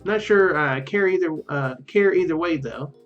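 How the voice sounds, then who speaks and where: Male game commentator, fairly high pitch, halting, rambling, self-correcting, casual read-aloud, lo-fi mic, background game music. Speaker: let's play video host. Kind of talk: casual game commentary, reading visual novel text aloud. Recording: muffled lo-fi mic, music behind.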